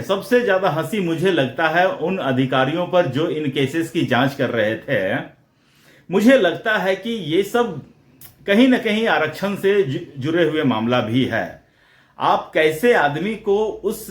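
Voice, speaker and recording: A man's voice: fairly high pitch, reverberant. A man giving blunt, combative political commentary straight to his viewers, slipping English phrases into his Hindi. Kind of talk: opinionated solo commentary to viewers.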